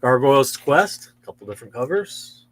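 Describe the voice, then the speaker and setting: A man's voice: medium pitch, animated, normal speed, background noise. Chatty man in his sixties. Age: 60s. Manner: chatty, easily impressed, lots of wows. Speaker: comic shop host. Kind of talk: casual show-and-tell of new comics. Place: comic book store.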